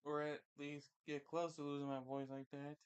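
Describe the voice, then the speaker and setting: Smooth-voiced man chatting casually. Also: fairly high pitch, little pitch movement, normal speed, dry recording. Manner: rambling, thinks aloud, repeats himself. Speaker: sports commentator. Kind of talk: casual stream chat.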